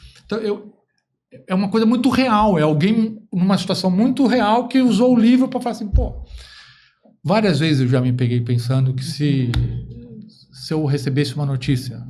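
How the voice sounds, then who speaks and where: In a room with audible echo, a man with a high pitch and a dark, mellow tone speaks with very wide pitch swings and long, frequent pauses. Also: moderate pace. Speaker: journalist. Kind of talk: podcast interview.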